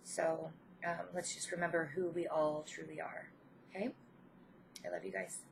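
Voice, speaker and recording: A woman with a fairly low voice, touched by a head cold, speaks as a tarot reader addressing her viewers. Her delivery is gentle and encouraging, informal, with halting pauses inside her phrases. A faint layer of background noise sits under the voice. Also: sing-song, vocal fry, rough recording. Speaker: spiritual tarot reader and channel host. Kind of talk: informal spiritual card reading to viewers.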